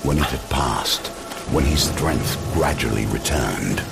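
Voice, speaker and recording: Extremely deep, gravelly male horror narrator. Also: animated, slow. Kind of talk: dramatic scripted narration of gothic horror. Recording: loud cinematic music and rain behind.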